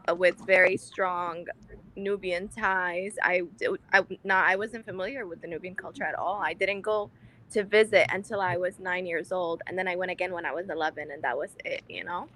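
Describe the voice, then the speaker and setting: A woman's voice: fairly low pitch, steady tone, normal speed, pushed and bright, rough recording. A woman speaking as a panel guest in a casual, chatty way, often stopping to correct herself. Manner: chatty and self-correcting, with "um"s and restarts. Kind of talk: casual conversational answer.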